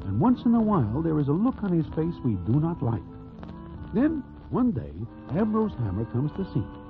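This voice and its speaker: A wry Broadway storyteller. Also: male voice, fairly high pitch, wildly swooping pitch, moderate pace. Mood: narrating. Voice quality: formal, avoids contractions. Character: wry Broadway narrator, talks in the formal present tense. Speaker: narrator. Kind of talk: 1940s radio acting. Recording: tinny old radio broadcast with music.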